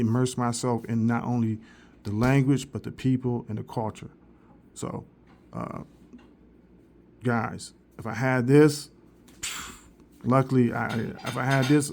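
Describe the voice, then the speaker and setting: A man's voice: medium pitch, a little hiss or hum. Rambling man demoing a phone. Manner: rambling and repetitive, with frequent restarts; earnest, directly urging viewers. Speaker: vlogger reviewing a phone. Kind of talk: casual product demo.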